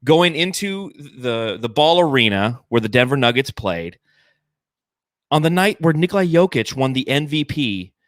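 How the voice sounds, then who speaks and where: A man hosting a sports podcast, hyping up his team with playful banter and drawn-out emphasis. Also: mid-range voice, very animated, no room sound. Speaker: podcast host.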